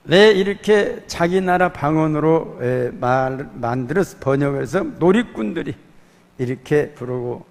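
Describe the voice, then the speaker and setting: Male pastor, from Jeolla, Sunday sermon, gravelly fry, halting "ah" fillers, emphatic lifts on key words, long church-hall echo. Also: on the high side. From Jeolla province, Korea. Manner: halting, fills pauses with drawn-out "ah" and "eh". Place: church sanctuary.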